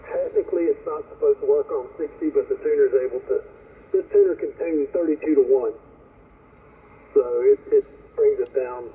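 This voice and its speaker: A man's voice: medium pitch, moderate pace, husky, narrow, tinny audio. A man chatting casually as an amateur radio operator, heard through a shortwave radio link. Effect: received over HF amateur radio. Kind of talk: casual two-way radio chat. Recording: noisy, band-limited shortwave radio reception.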